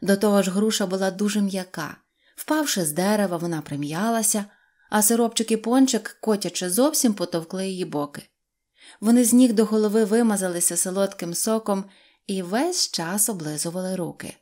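A woman reads a children's story aloud with expressive, lively storytelling. Her voice sits at an ordinary middle pitch. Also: brisk. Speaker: narrator. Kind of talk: children's audiobook narration.

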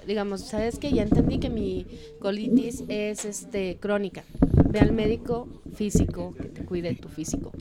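Mexican woman, podcast therapist, mellow, chatty explainer. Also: medium pitch, a little hiss or hum. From Durango, Mexico. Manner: conversational, acts out imagined dialogue. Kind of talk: casual explanatory chat. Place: studio in Guadalajara.

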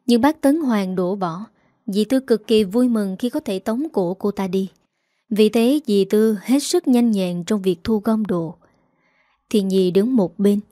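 A woman narrating a dramatic audio story in a steady storytelling manner. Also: medium pitch, no echo, clean studio sound.

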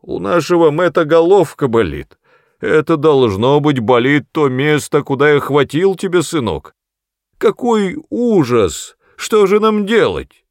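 Brutal drunk father, sneering and loud, big swinging voice, as a male reader puts him on. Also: fairly high pitch, very animated, measured pace, no room sound, clean studio sound, pitched above the performer's own voice. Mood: mocking. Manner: mocking, menacing, loud.

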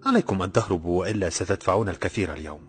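A man's voice: sits low, rapid-fire, faint music behind, close to an everyday voice. A man voicing a strong, bold young laborer who talks with confident teasing and an Egyptian accent. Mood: defiant.

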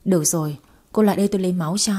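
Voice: mid-range voice, rapid-fire, dark tone, natural voice. A woman voicing a cautious hospital doctor who refuses firmly. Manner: firm, refusing.

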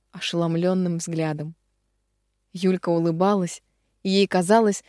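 Dark-voiced woman reading an audiobook. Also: on the low side, dry recording, clean studio sound. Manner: dramatic, slowing down on heavy phrases. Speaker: audiobook narrator. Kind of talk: expressive audiobook narration.

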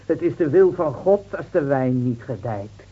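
A man's voice: fairly high pitch, expressive, slow, husky, exaggerated voice. An actor playing a scornful, officious city-bred policeman in a Dutch radio drama, lecturing and brusque. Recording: muffled old radio recording.

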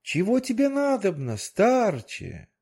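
A proud, whimsical golden fish out of a fairy tale speaks in a lifted, sing-song voice full of lively swoops, put on by a male storyteller. She demands and grants wishes at an unhurried pace, every phrase rounded like a spell. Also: high-pitched, husky, pitched above the performer's own voice, full character voice. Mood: imperious. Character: magical golden fish, female, imperious and capricious.

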